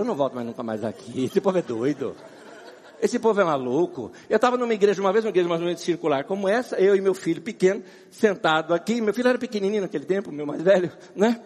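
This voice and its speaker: A husky-voiced man with a Brazilian accent preaches in a large round church, his words ringing with a long hall reverb. His voice sits high and swings widely as he tells funny stories from the pulpit, animated and sweating. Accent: Brazilian Portuguese. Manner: animated, laughing storyteller. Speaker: guest preacher. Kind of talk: humorous sermon storytelling.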